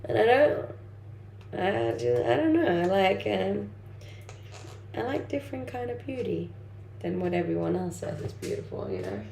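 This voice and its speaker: A young Danish woman, a native speaker, hosts a livestream and reads out viewer comments, answering them in a casual, chatty way. Her mid-range voice is creaky and darkish, with wildly swooping pitch at a normal pace and frequent pauses. The audio has a roomy echo and faint background noise.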